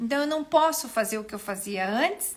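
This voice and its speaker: At a moderate pace, a woman speaks with a fairly high pitch, an animated tone and lively intonation. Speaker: nutritionist. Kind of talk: live stream talk.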